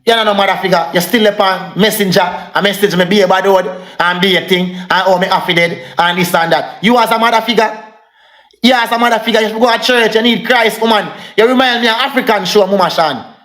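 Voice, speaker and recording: Brisk and steady in tone, this young adult man's high-pitched, fairly bright voice bounces around an echoey room. Speaking with a Jamaican accent, he delivers an angry live-stream rant, repeatedly addressing his viewers directly.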